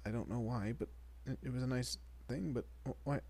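A man playing a shy, nervous young vampire father in a romantic audio roleplay, stammering and soft-spoken, often dropping to a near-whisper. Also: medium pitch, fairly quick, gravelly, breathy edge. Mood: flustered.

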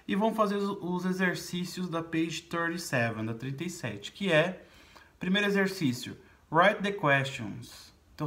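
A man's voice: on the high side, fairly bright tone. A man with a Brazilian Portuguese accent teaching an online English lesson, explaining step by step and checking in with his students. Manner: explains slowly in Portuguese, reading English words and sentences aloud; frequent check-ins to students.

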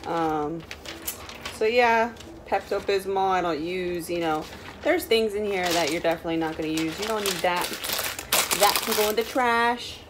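A woman's voice: fairly low pitch, normal speed, noisy background. A young woman with a Native American reservation accent, talking in a casual, informal, rambling vlog style. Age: young adult. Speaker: vlogger. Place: small room indoors.

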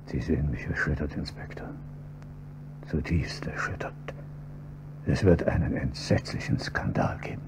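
An actor playing a proud, wealthy gentleman in a German radio crime drama, speaking formally and coldly. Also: rumbling low, moderate pace, long pauses, in a whisper. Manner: stiff, formal speech. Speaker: husband. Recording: dull old radio recording with faint hum.

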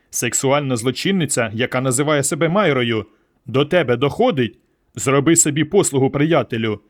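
Man playing a loud, rude cop barking threats, raised voice, pushy. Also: mid-range voice, lightly acted. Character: gruff bullying male police sergeant.

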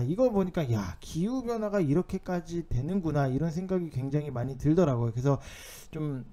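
In a mellow voice on the high side, a man hosts an informal stock market commentary. He works through on-screen notes, explaining insistently with a touch of urgency.

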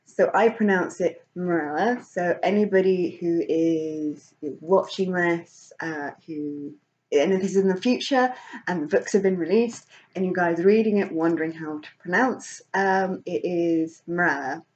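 Woman, low voice, chatty vlog, rambling with fillers, dull lo-fi sound. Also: unhurried, darkish tone. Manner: rambling, many fillers and restarts, laughs often. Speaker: vlogger and author. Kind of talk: casual chat.

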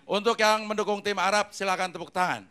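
A man's voice: high voice, steady tone, fairly quick, very noisy. Joking man hosting a comedy show. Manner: joking, teasing the comics. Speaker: host. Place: TV studio stage with live audience. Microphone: handheld mic. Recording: loud crowd and music behind. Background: loud audience laughter and music.

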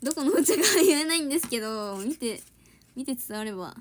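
Young woman, casual livestream chat, giggly, lively rising and falling voice, a bit high. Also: fairly quick, slight background noise. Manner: chatty, giggly, reads and answers viewer comments. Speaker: idol trainee livestreaming to fans.

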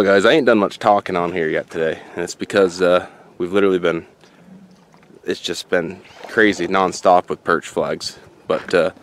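Young man, vlog host, low voice, upbeat, outdoors on the ice, faint background noise. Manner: upbeat, addresses viewers as guys. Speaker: channel host. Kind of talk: casual outdoor vlog chat. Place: outdoors on a frozen lake.

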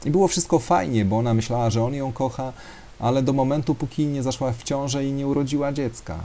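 Mellow-voiced male storyteller. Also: medium pitch, fast talker. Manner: hesitant with fillers, addresses listeners. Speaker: speaker. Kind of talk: storytelling talk to an audience.

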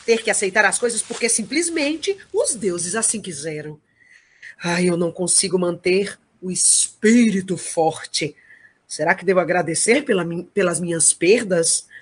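A woman's voice: lowish voice, lively intonation, measured pace, breathy edge. A woman playing an emotional, pleading Trojan king in an audio drama. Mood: weary, reflective. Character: Aeneas, anguished heroic Trojan king, adult man. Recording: loud background music.

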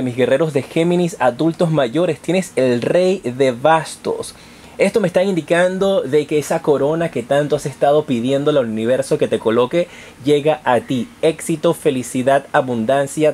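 A man with a slightly high voice reads tarot cards for his viewers. He speaks to them informally and affectionately, with plenty of encouragement. There is some faint noise behind him. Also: a little mellow. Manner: affectionate, encouraging direct address. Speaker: tarot reader and channel host. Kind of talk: informal horoscope card reading addressed to viewers.

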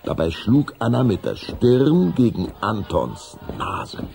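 A man as a measured storybook narrator in a children's audio drama, reading a scripted story. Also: on the low side, wildly swooping pitch, gravelly, dark tone, heavily acted. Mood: narrating.

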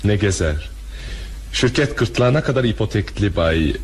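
A man's voice: lowish voice, expressive, a little slow. A man acting a proud, bitter hotel owner with a vengeful streak in a crime radio drama. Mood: resigned. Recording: faintly noisy radio drama recording.

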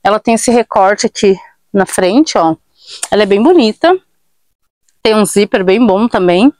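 A woman's voice: medium pitch, animated, unhurried, darkish tone. A woman in her thirties from Brazil, chatting casually to viewers as she shows and prices used clothes in a small shop. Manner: chatty, tag questions, addresses viewers. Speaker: online thrift shop seller. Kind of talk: casual live sales pitch. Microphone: fixed camera at mid distance.

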